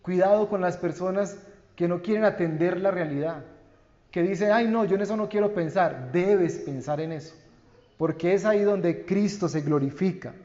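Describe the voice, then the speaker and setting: A man with a Colombian Spanish accent, a pastor delivering a sermon in slow, earnest preaching that swells and then drops to hushed endings. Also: sits high. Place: church sanctuary. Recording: dull church recording with long reverb.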